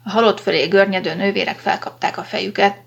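A woman narrating a science fiction story in a steady, measured audiobook reading. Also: mid-range voice, gravelly, breathy edge, highs cut off.

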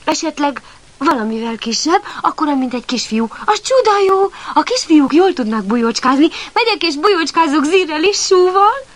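A woman voicing an excited, curious little male puppy who exclaims in a high, eager voice. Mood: thrilled.

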